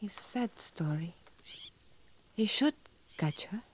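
An actress playing a young Native American woman in a radio drama, earnest and softly curious, speaking halting, simple, solemn broken English. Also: medium pitch, lively intonation, slight background noise. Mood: solemn, wistful. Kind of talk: 1950s radio drama acting. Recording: muffled vintage radio recording.

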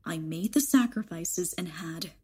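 A woman's voice: fairly low pitch, unhurried, mellow, slightly rough. A woman playing a defiant, blunt rejuvenated elder in a young body in an audio drama. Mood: agitated, questioning. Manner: guarded, sardonic, blunt.

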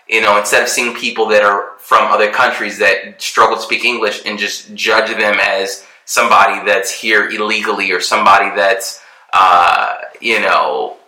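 A man's voice: on the low side, pushed and bright. A man from Texas in casual chat, talking earnestly and rambling with many fillers and restarts. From Texas, USA. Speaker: vlogger, expat in Mexico. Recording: roomy echo.

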